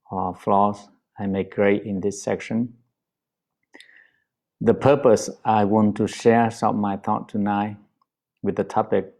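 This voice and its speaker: A man with a Vietnamese accent giving a Buddhist dharma talk, speaking gently with many pauses and fillers. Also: fairly low pitch, creaky. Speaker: Buddhist teacher.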